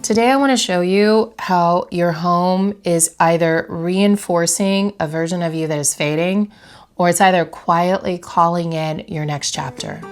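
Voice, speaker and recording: A young adult woman hosting a vlog from her bedroom, speaking slightly nasally because of a head cold, in a calm, reflective coaching tone that asks the viewer direct questions. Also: fairly low pitch, measured pace, clear, resonant tone, soft background music. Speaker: vlog host and interior designer. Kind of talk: motivational talk to camera.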